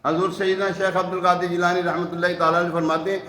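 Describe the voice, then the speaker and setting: A man's voice: sits high, little pitch movement, sharp tone, roomy sound. A man giving a religious sermon, telling stories and acting out the quoted lines with emphatic rhetorical questions. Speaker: preacher. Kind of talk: Urdu religious sermon with storytelling.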